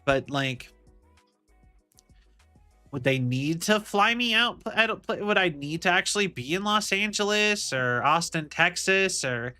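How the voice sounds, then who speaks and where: A man's voice: high-pitched, bright, forceful tone, clean tone. A young man streaming as a VTuber, chatting casually and rambling, often circling back with "like I said". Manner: rambling, repeats "like I said".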